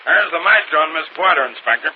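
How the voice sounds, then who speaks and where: An actor playing a blunt, slangy police sergeant in a vintage radio drama. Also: male voice, on the high side, lively intonation, quick pace, lightly acted. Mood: gruff. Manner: streetwise slang. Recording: hissy muffled vintage radio broadcast.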